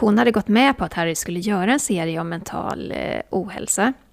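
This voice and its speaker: A woman talks at a fairly quick pace, her medium-pitched voice showing vocal fry and ordinary pitch variation. The recording is very clean and the background is silent. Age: middle-aged. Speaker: royal news podcast host. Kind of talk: casual chat.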